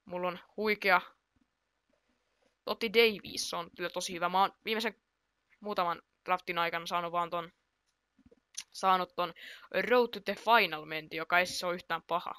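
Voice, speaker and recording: A woman chatting through her football video game match, excitable, reacting aloud to each play and laughing at her own mistakes. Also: lowish voice, long pauses, clean tone, dry recording, clean studio sound. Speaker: gaming YouTuber. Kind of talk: casual gameplay commentary.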